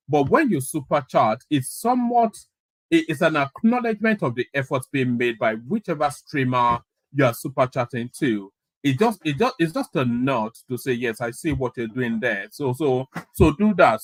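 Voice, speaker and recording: Male livestream host, Nigerian Yoruba accent, mid-pitched voice in a dry close sound, casual commentary with emphatic repetition. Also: no echo. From Oyo, southwestern Nigeria. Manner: repeats and rephrases his phrases emphatically. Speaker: live stream host.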